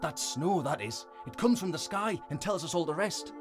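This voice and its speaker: A woman's voice: sits low, expressive, normal speed, over music. A woman playing a cheeky, breezy white fox who talks in a teasing, chatty way in a family audio drama. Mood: breezy, reassuring.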